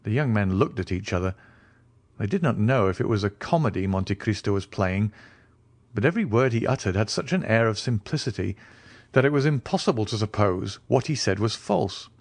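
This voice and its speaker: A man reading a classic novel as an audiobook narrator, in a measured storytelling manner. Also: lowish voice, lively intonation. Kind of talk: scripted literary narration.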